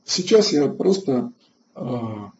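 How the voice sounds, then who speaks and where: Halting man hosting a webinar. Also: medium pitch, sing-song, creaky, darkish tone, muffled recording, a little hiss or hum. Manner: halting, with many filler sounds and restarts; answers chat questions between points. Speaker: webinar host. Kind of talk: online webinar lecture.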